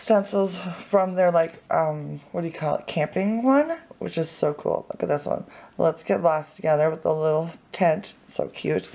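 Bubbly woman with a gravelly edge. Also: fairly low pitch. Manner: bubbly, excited, chatty with fillers. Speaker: family vlogger. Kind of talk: casual unboxing chat. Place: home, indoors at a table.

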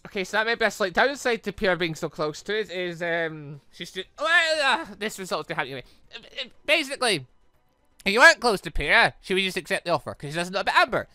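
A female gaming host talks casually and wanders through her thoughts. Her voice is bright and very animated, recorded dry. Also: medium pitch, fast, no room sound. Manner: rambling, animated. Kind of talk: casual game commentary.

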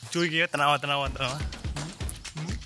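A young Filipino man hosting a casual house-tour vlog outdoors, talking into a handheld camera and laughing loudly and often. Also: a little high, steady tone, fairly quick, music in the background. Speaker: vlogger. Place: outdoors on a hillside estate. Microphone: handheld camera at arm's length.

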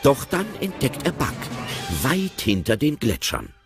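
A man narrating an audio drama in a calm, storytelling manner. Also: medium pitch, a little slow, vocal fry, over music.

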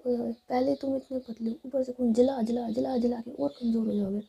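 A woman's voice: a little high, steady tone, fairly quick, vocal fry, mellow, husky, dull audio, full character voice. A woman voicing an affectionate young wife in a love story, coaxing and teasing with pet names.

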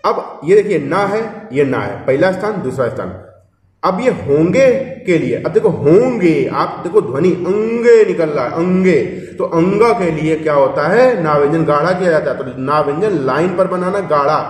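A man's voice: on the high side, animated, moderate pace. A man teaching a shorthand class, explaining step by step and often checking that the students follow. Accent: Hindi. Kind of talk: classroom instruction. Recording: echoey room, voice from far off.

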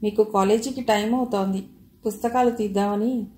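A woman voicing a meek young daughter-in-law who answers softly and timidly in an audio story. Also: medium pitch, steady tone, normal speed, echoey room, lightly acted. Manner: soft, timid, hesitant.

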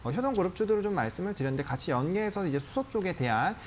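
A man's voice: sits high, animated, rapid-fire, slight background noise. A man in his thirties giving live stock commentary as a TV analyst, explaining in polite formal speech. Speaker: stock market analyst on a TV show. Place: TV studio. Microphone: lapel mic.

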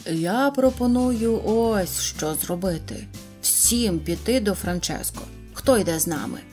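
A woman voicing a calm, wise male toy chief in a storybook, speaking slowly and solemnly. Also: medium pitch, faint music behind, close to an everyday voice.

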